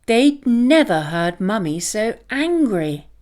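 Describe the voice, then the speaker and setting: A woman reading a scripted children's story aloud as a dramatic, expressive storyteller. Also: medium pitch, slow pace.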